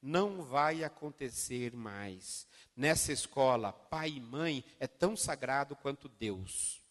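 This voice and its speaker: A man quoting a kind, firm older woman schoolteacher, speaking softly and slowly in a reverberant hall. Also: medium pitch, lively intonation, voice pushed down, close to an everyday voice. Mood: gentle, firm. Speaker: primary school teacher.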